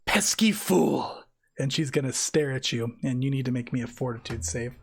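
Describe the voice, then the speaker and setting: A woman's voice: a bass voice, steady tone, quick pace, a little mellow. A woman running a tabletop roleplaying game as game master, talking casually and playfully.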